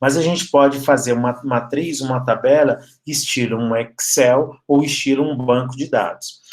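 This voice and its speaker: A man speaks at a fairly high pitch, his intonation fairly even. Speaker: programming teacher. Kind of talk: live online lecture. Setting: live stream with screen share. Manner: slow.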